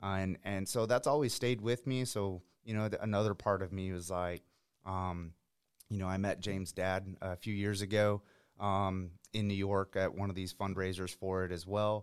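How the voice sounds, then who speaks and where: On a very clean recording with a silent background, a man with an American accent speaks in an unremarkable speaking voice, fairly low in pitch with fairly even intonation. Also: moderate pace. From Chicago, US Midwest. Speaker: army officer and volunteer running coach. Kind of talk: interview. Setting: studio.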